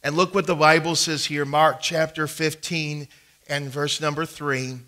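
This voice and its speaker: Male pastor, 30s, unhurried earnest sermon delivery, bright higher voice, pulpit mic in a church. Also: steady tone. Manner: earnest preaching, reading scripture aloud, gesturing at a pulpit. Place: church sanctuary, indoors. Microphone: pulpit mic, far camera.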